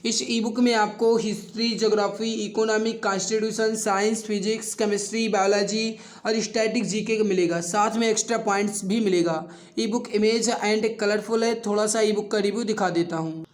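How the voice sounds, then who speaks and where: A man's voice: high voice, steady tone, moderate pace. A man speaking as an online exam-prep teacher, addressing students familiarly with emphatic repetition. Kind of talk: quiz lesson for exam students with promotional pitch.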